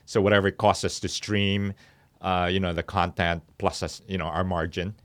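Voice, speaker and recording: Deep-voiced man explaining, somewhat halting. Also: little pitch movement, fairly bright tone. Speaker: company founder, podcast guest. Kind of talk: explanatory interview talk. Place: podcast studio.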